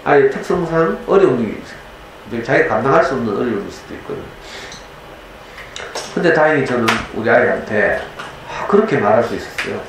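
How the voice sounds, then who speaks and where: A middle-aged man at a parents' lecture, recounting a story in a mid-pitched voice and acting out the lines of each person in it. The sound rings heavily around a big, echoey room, and a faint hiss runs underneath. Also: quick pace. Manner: animated storyteller acting out dialogue.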